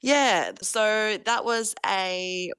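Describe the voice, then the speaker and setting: A woman's voice: mid-range voice, extremely slow, a bit bright, clear, resonant tone, no echo, clean studio sound. A woman, answering interview questions in an earnest, reflective way. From Australia. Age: 20s. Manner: earnest, reflective, thinks aloud. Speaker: guest, rugby league captain.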